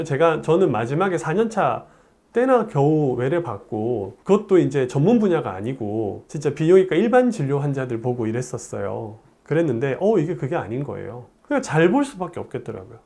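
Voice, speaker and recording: This forties-aged urologist, voice on the high side with vocal fry, spins an explanatory story straight to camera. Animated and gesturing, he chats away in a plain studio on a lapel mic.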